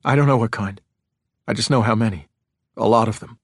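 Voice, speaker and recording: A man's voice: on the low side, fairly quick, no room sound, studio quality. A man voicing a knowing, matter-of-fact male tech entrepreneur in an audiobook, explaining plainly. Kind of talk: audiobook character acting.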